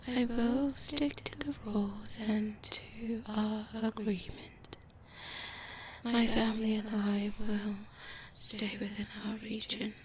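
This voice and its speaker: A woman playing a proud, composed vampire in a soft-spoken ASMR roleplay, formal and deliberate, with veiled menace beneath her cordial manner. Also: medium pitch, little pitch movement, low-quality recording. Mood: composed, assuring. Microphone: close-up binaural microphone. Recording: clear hiss, close binaural mic.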